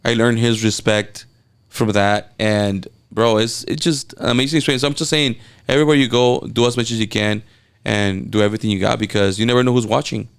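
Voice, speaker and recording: A man from Mexico speaks English with a Mexican Spanish accent, his native tongue being Spanish. His voice has a gravelly edge over a smooth, full tone, and he tells his stories excitedly with frequent restarts. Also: lowish voice, a little fast. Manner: excited storytelling, many restarts and fillers. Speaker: guest, event videographer. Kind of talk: casual interview chat.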